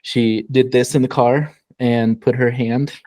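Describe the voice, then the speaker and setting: A man's voice: medium pitch, fairly even intonation, unhurried, warm tone, no room sound. A young man, a guest husband, telling a story in a hesitant, plain way in a casual chat.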